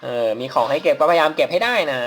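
A man's voice: a little high, very fast, fairly bright tone, faint music behind. A man casually commentating as he plays a mobile game, polite and chatty, laughing at his own mistakes. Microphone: phone mic while playing on a phone.

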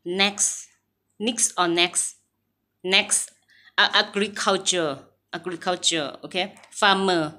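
A woman in her forties with a Thai accent, talking haltingly to camera in English, with many fillers and restarts. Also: on the low side, steady tone, pushed and bright. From Thailand. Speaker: vlogger. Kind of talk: casual talk to camera. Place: small room indoors.

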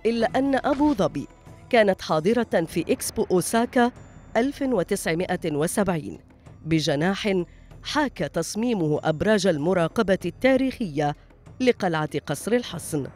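Documentary narrator, formal scripted voice-over, very fast, soft music underneath. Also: medium pitch, expressive. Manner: formal, rapid reading.

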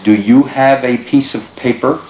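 A man reading short test sentences aloud in a plain, measured way. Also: mid-range voice, darkish tone. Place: small lab room indoors. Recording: echoey room.

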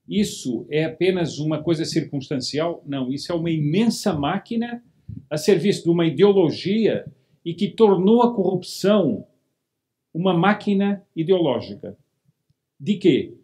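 A middle-aged man delivers a formal speech at a podium in an indoor hall. He talks in a fairly high voice, firing off rhetorical questions and hammering key words through repetition. The sound comes through a podium microphone. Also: a little mellow. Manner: emphatic, rhetorical questions, repeats words for stress. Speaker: lecturer at a monarchist meeting.

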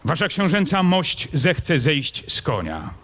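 A man's voice: fairly high pitch, wildly swooping pitch, slow pace, a bit bright, pitched above the performer's own voice, full character voice. An actor reading aloud, playing a bold, hot-tempered young nobleman soldier who speaks firmly and defiantly. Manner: firm and defiant.

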